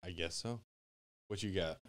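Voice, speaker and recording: A man's voice: low voice, normal speed. A man from Connecticut, a podcast guest, chatting in a laid-back, joking way with a lot of "like" in a studio. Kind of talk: casual podcast chat.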